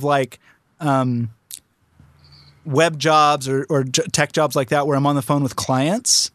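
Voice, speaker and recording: Podcast co-host, male, higher-pitched than most, chatty and meandering, dry close sound. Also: a bit bright, no room sound. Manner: rambling, with many restarts and "like"s. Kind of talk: casual conversational chat.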